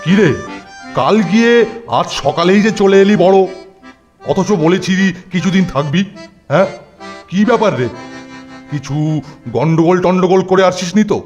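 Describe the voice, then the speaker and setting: A man's voice: sits high, normal speed, pauses often, lo-fi sound, soft background music, lightly acted. A man playing a nosy, suspicious hostel superintendent in a comic cartoon, fussy and questioning.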